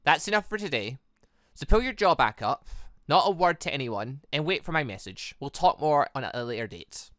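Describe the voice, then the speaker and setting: A man's voice: on the high side, lively intonation, moderate pace, fairly bright tone, no room sound, clean studio sound. A man voicing a menacing, calculating female villain from a visual novel, with a taunting, controlled delivery. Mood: taunting, controlling. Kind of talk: reading game dialogue aloud.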